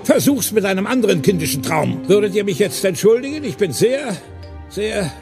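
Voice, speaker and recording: An old, retired robot who has given up. His delivery is paternal and world-weary, pitched high with lively swings, as in a children's film audio drama. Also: normal speed, over music. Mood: resigned, bitter. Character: weary, resigned old male robot, retired idealistic inventor. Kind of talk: German film dub dialogue in children's audio play.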